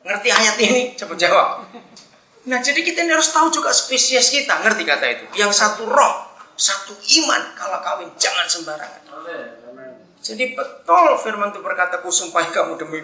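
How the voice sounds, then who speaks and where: Sitting high in pitch and speaking at normal speed, this man's sermon rings with reverb. His storytelling is animated, and he keeps calling on the congregation for answers.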